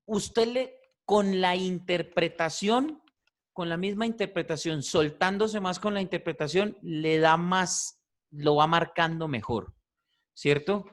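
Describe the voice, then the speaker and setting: Animated man teaching voice. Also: high voice, slow. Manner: animated, repetitive, asks "¿cierto?" often. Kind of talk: online class feedback.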